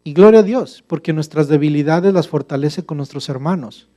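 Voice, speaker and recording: A man's voice: on the high side, moderate pace, warm tone. A male pastor preaching a sermon, emphatic and full of rhetorical questions to the congregation.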